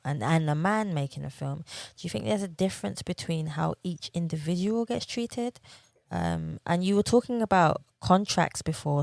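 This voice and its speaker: A woman's voice: sits low, gravelly, darkish tone, dry recording. A woman hosting a podcast, asking long, rambling questions in an encouraging, casual interview style. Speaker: podcast host.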